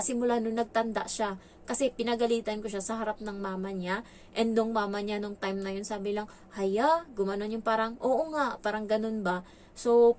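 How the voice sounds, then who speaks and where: A woman's voice: mid-range voice, darkish tone. A young woman vlogger telling a story in casual chat, chatty, with many fillers and restarts.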